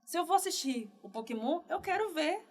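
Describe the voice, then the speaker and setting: A woman from Northeast Brazil, a developer guest telling her career story in a relaxed, chatty interview. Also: very high voice, fairly quick. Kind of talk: casual podcast interview.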